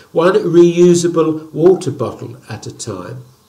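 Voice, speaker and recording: Words come from a man at a very slow pace. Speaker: children's poet. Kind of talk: poetry reading. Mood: warm, upbeat. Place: kitchen. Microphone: webcam.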